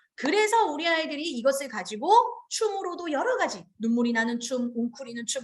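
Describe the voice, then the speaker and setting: A woman at a moderate pace, her pitch swinging very widely, with audible room echo. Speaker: teacher trainer. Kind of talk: online training lecture. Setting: video call.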